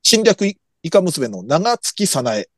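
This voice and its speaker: Animated man reading listener mail. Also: fairly high pitch, a little slow, no echo, clean studio sound. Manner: lively, reads messages aloud with jokey asides. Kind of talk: casual chat.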